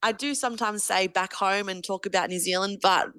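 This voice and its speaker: A woman's voice: mid-range voice, steady tone, fairly quick, sharp tone, clear, resonant tone, no echo. A woman, answering interview questions in an earnest, reflective way. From Australia. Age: 20s. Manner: earnest, reflective, thinks aloud. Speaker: guest, rugby league captain.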